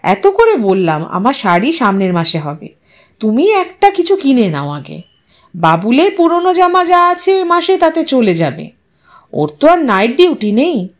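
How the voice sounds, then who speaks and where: A woman's voice: sits high, big pitch swings, unhurried. A woman voicing a fussy, reproachful young wife who is fond of her husband, in an audio story. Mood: worried scolding.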